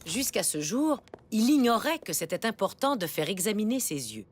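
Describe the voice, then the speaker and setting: A woman playing a gentle storybook narrator, telling a scripted story for small children. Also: medium pitch, sing-song, moderate pace. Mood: gentle storytelling.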